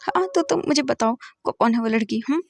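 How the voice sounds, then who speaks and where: A woman's voice: on the high side, expressive, brisk, creaky. A woman voicing a drunk, jealous young man who stammers and repeats his words in a hurt, whiny way, in a storybook reading. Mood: drunk, sulky.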